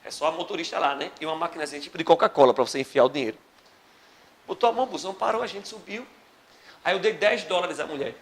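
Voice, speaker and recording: A man's voice: fairly high pitch, fast. A man, teaching a history class and telling a comic story, acting out the other voices. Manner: animated storyteller, acts out voices. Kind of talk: classroom lecture with comic anecdote.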